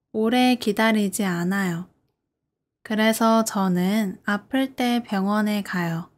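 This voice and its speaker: A woman language teacher delivering a scripted beginner listening lesson in short, simple, carefully separated sentences. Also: medium pitch. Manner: careful, simple phrasing with clear sentence breaks.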